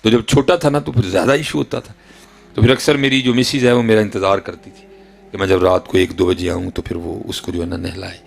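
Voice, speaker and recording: A man's voice: deep voice, fairly even intonation, gravelly. A man preaching a sermon in a Punjabi accent, telling stories and throwing rhetorical questions at his listeners. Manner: rhetorical, tells stories, keeps addressing the audience as hazrat ji. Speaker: Islamic preacher. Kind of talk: sermon with storytelling.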